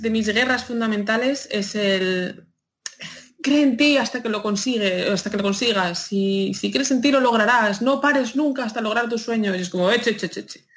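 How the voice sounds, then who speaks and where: A woman from Spain with a Madrid accent, a guest chatting in an interview and telling stories with lively emphasis and frequent laughter. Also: medium pitch. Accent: Spanish, Madrid. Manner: animated storytelling, laughs often, emphatic. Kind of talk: casual interview chat.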